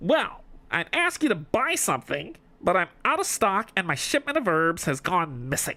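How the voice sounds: A man puts on a nasal character voice, high in pitch with very wide pitch swings. His loudness stays very even at a moderate pace.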